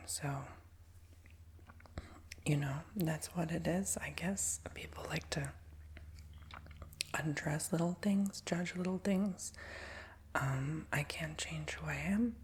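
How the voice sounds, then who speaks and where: A man in his twenties with a nasal, raspy voice, giving a soft, rambling ASMR whisper with many fillers. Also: fairly high pitch, takes it slowly, long pauses, a little hiss or hum. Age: 20s. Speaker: ASMR creator.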